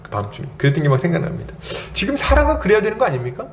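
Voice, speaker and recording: A man's voice: high-pitched, rapid-fire, a little hiss or hum. A man preaching an expository sermon as pastor, asking the congregation questions and telling personal stories with laughter. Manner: lively, asks the congregation questions and prods with "eh?".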